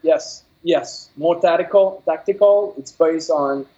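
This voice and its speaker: Halting Québécois French-accented man, muffled. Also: fairly high pitch, mellow. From Quebec, Canada. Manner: halting, many fillers and restarts while searching for words. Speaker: game developer guest. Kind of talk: casual interview. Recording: dull lo-fi audio.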